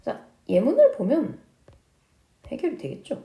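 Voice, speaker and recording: Woman teaching English, lively voice. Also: fairly high pitch, vocal fry, roomy sound. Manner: reads English lines slowly, explains each in Korean. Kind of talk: English lesson, reading and translating dialogues.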